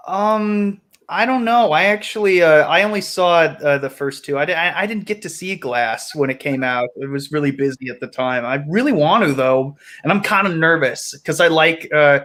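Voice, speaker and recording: Hesitant man with a higher-pitched voice. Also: fairly bright tone. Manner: hesitant, halting. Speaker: panelist on a film discussion. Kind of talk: casual chat.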